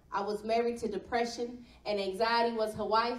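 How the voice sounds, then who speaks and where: In an American accent, a woman with a fairly high pitch talks at a fairly slow pace amid audible room echo. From Milwaukee, Wisconsin. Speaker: spoken word artist. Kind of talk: spoken word poetry performance. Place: meeting room.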